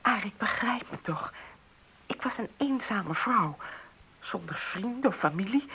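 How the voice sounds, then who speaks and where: A very husky, breathy mother's voice in a Dutch radio play. She is proud but wounded and anxious, pleading dramatically with a widely moving pitch. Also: expressive, measured pace, bright, forceful tone, exaggerated voice, low-quality recording. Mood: anguished confession.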